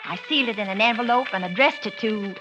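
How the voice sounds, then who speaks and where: A woman's voice: fairly high pitch, quick pace, muffled recording, over music, lightly acted. Woman playing a jealous nagging radio-drama wife. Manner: nagging, sarcastic, resentful. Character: bitter, jealous, suspicious small-town wife. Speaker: narrator and lead character. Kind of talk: 1940s radio acting.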